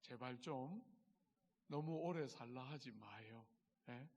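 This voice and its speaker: A middle-aged man preaching a sermon as pastor, telling stories with strong feeling and swinging from soft to loud. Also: mid-range voice, takes it slowly, in a large hall.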